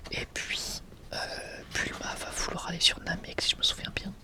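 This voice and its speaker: Whispered voice, breathy, casual ASMR chat, rambling, self-correcting. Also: normal speed. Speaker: ASMR video creator presenting a manga collection.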